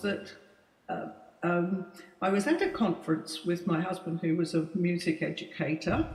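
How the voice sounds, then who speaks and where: Noticeable background noise and audible room echo surround the recording. A woman speaks fairly slowly at a medium pitch. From Australia. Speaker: voice teacher and former opera singer. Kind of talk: conference talk.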